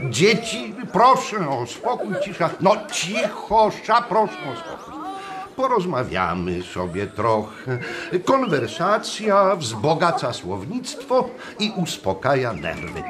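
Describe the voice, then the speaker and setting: High-pitched, swooping pompous schoolteacher. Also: male voice, wildly swooping pitch, slow pace, a crowd in the background, exaggerated voice. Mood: fussy, calm lecturing. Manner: pedantic, lecturing, theatrical. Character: pompous, strict male schoolteacher, callously pedantic. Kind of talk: radio drama acting.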